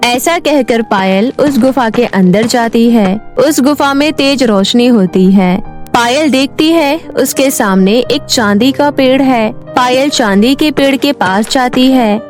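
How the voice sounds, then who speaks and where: A woman's voice: fairly high pitch, measured pace, darkish tone, faint music behind. A woman reading scripted narration for a children's moral story, as the storyteller.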